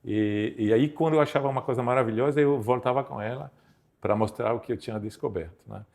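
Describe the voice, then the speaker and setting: A man in his fifties from Belgium with a French-speaking Belgian accent, a photographer telling stories in a relaxed interview, with halting, self-repeating phrasing. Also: mid-range voice, creaky. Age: 50s. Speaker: guest photographer. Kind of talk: casual interview storytelling.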